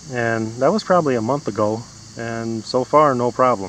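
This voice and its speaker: Male speech at a moderate pace, dry with no echo, over light background noise. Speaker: chainsaw owner reviewing tool. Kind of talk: casual product review. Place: garden. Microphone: phone near.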